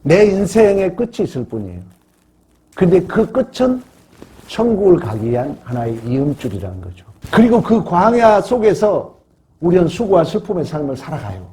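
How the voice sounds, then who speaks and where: A man's voice: high-pitched, very animated, normal speed, warm tone. A middle-aged male pastor preaching a sermon in an emphatic, conversational way, often asking the congregation questions.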